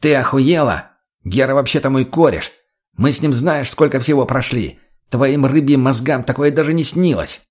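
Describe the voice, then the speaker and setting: A man's voice: mid-range voice, normal speed, a little mellow, lightly acted. A man voicing a crude, cheeky male junkie who provokes and teases his friends. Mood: mocking.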